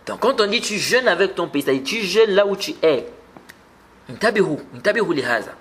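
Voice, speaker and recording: Guy teaching a religious lesson, kinda high voice, repeats himself, gets louder on key points. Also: lively intonation, brisk. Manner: explanatory, repeats words and restarts, rises when emphasizing. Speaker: Islamic teacher.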